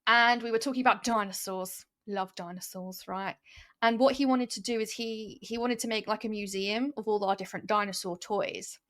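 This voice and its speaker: A woman's voice: medium pitch, moderate pace. Chatty woman telling stories. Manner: animated storytelling with many fillers. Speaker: early years teacher and podcast host. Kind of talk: casual chat.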